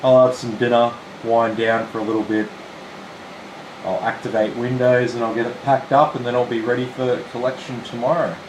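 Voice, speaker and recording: A man with an Australian accent, slightly hoarse, casually talking viewers through a computer build on a live stream. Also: mid-range voice, moderate pace. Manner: relaxed, chatty, explains steps plainly. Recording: roomy with steady air-conditioning hum.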